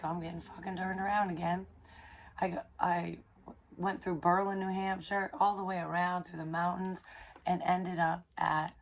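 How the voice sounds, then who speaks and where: A hoarse young woman, chatting casually in a rambling psychic vlog, swearing freely and filling pauses with ums. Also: on the low side, a little hiss or hum. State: hoarse, recovering from illness. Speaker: psychic medium vlogger.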